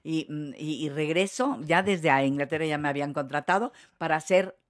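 A woman's voice: low voice, fairly quick, no echo, studio quality. An older woman, telling anecdotes in a casual chat, often laughing and restarting her sentences. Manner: lively storyteller, laughs often, many restarts. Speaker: guest actress.

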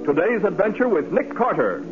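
Animated 1940s radio announcer, noisy recording. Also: male voice, sits high, normal speed, phone-quality sound. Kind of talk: 1940s radio announcing, dramatic scripted narration.

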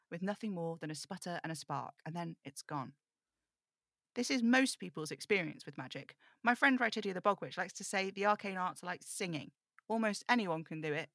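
A woman performs a lonely, thoughtful woman broadcaster in an audio drama. Her voice sits slightly low, with a crisp, bright edge and a very dry sound. She confides in her listeners with measured, wistful storytelling. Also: no room sound. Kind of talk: intimate scripted audio drama monologue.

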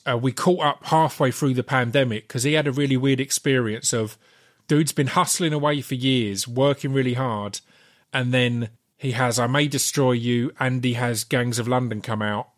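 A man's voice: mid-range voice, steady tone, moderate pace. Essex-accented man hosting a casual podcast. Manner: stammering repeats of words, sweary. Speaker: podcast host. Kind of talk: casual chat interview. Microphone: podcast mic in a remote video call.

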